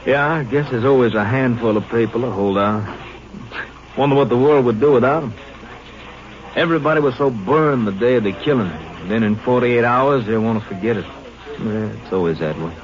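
A man's voice: mid-range voice, brisk, lo-fi sound, lightly acted. World-weary small-town newspaperman played by an actor. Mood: wry, resigned. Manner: wry, resigned, folksy. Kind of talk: 1950s radio drama acting. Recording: noisy band-limited 1950s radio recording.

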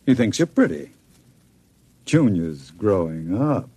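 An actor playing a smooth, scheming gangster who talks in a suave, menacing drawl, in a vintage radio drama. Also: male voice, fairly low pitch, big pitch swings, takes it slowly, very noisy. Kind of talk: 1940s radio acting.

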